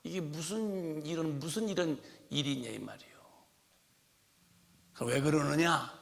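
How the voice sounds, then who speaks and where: A male pastor preaching a sermon with animated storytelling, swinging from quiet asides to shouted commands, in a church sanctuary. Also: fairly high pitch, a little slow, vocal fry. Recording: long church-hall reverb.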